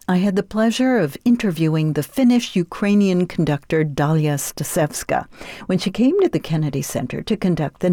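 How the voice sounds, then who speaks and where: A woman radio presenter reads her scripted introduction with poise. Her voice is low and mellow, and the studio sound is dry, with faint music in the background. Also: no echo. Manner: smooth, poised reading. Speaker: radio host and interviewer.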